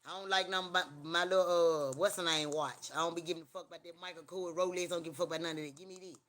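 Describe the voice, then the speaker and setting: Bright-voiced Southern Black-accented man, country talk. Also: on the high side, steady tone, racing. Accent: Southern African American English, Mississippi. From Mississippi, USA. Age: middle-aged. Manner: rambling, profane, blunt country talk with repeated phrases. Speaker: livestreamer. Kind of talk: casual livestream chat.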